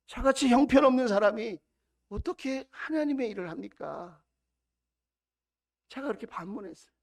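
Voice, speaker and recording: A middle-aged man preaching as senior pastor, building to loud repeated cries and dropping to soft, intimate storytelling. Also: sits high. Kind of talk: sermon.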